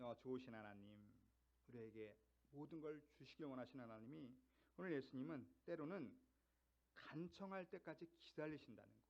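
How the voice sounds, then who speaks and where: A middle-aged male pastor delivering a Sunday sermon in a slightly raised voice. He drives his points home with chains of rhetorical questions that swell to emphatic peaks. The recording is dull and muffled. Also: on the high side.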